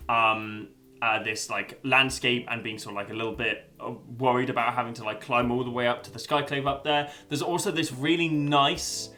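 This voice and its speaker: A man's voice: mid-range voice, bright, forceful tone. A young man giving a casual spoken review, rambling with lots of fillers and restarts, and swearing now and then. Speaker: video essayist reviewing a story.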